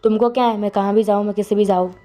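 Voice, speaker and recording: A woman's voice: medium pitch, fairly even intonation, fast talker, dark tone, lightly acted. A woman voicing a curt, menacing male mafia boss in a storybook reading. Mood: stern. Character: cold commanding male mafia king.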